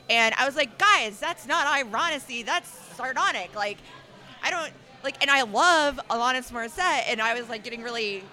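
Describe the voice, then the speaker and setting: A woman talking casually on a podcast, animated and ranting with quick asides. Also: fairly high pitch. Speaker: podcast guest. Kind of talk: casual chat. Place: brewery.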